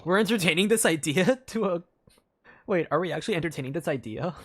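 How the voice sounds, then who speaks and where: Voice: medium pitch, expressive, quick pace. A game streamer giving casual, reactive playthrough commentary, thinking aloud and reading game text. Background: game music.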